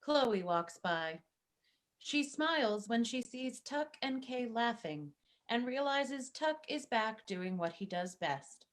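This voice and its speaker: Slow-paced woman reading stage directions. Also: fairly high pitch, lively intonation. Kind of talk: scripted narration.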